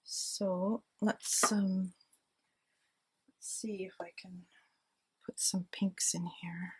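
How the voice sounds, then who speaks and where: Against a noisy background, a woman talks very slowly and flatly in a mid-range voice. She's a crafting vlogger decorating a handmade journal at home, chatting casually to herself and her audience.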